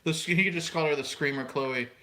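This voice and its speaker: A man's voice: fairly high pitch, fast talker, sharp tone. A man co-hosting a casual livestream, teasing his friend and laughing along. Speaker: livestream co-host.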